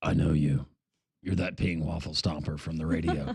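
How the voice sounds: In a put-on character voice, a man speaks at a moderate pace with a gravelly, very deep, low pitch and a monotone, flat intonation.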